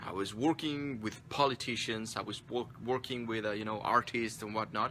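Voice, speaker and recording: With a Mexican accent, a man talks at a moderate pace and medium pitch, his tone bright and sharp and his intonation fairly even. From Mexico City. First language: Spanish. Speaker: image consultant. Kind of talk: casual vlog talk. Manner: hesitant, many fillers.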